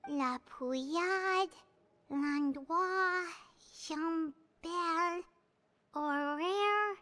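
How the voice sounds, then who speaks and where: A woman voicing a small childlike fairy companion in a video game, squeaky and excitable, speaking of herself in the third person. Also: extremely slow, full character voice. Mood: uneasy.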